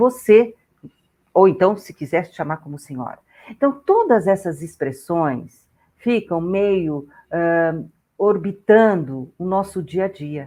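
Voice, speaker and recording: Speaking at a very slow pace, a woman has a fairly low pitch, a dark, mellow tone, lively intonation and big swings in loudness. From Brazil. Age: 60s. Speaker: consultant on ageing. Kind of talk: interview.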